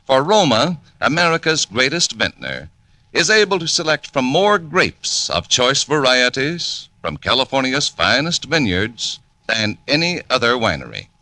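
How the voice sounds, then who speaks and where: A man reading an old-time radio ad in a polished, emphatic salesman's voice. It is bright and very lively in pitch, recorded close and dry. His pitch swings widely as he leans on key words. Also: a little slow, no room sound. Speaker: announcer. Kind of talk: 1940s radio advertisement.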